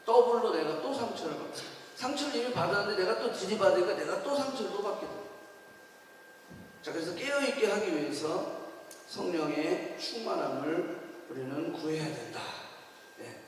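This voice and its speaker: A man's voice: high voice, animated, moderate pace, a little hiss or hum. A male pastor preaching a sermon. He speaks emphatically, asks his listeners frequent rhetorical questions and slips English words into his talk. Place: church sanctuary. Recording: echoey hall, distant mic.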